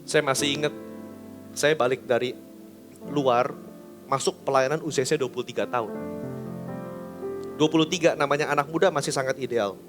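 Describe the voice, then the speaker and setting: A man preaching a sermon as a pastor, talking in a lively, colloquial way with big swings in pitch and loudness. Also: moderate pace, pauses often, over music. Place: church service.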